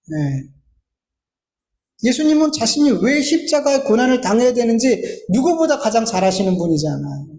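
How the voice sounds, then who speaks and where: A man's voice: very high voice, darkish tone, roomy sound. A man preaching a Sunday sermon in earnest, now and then acting out pleading prayers in a raised voice. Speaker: pastor. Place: church sanctuary.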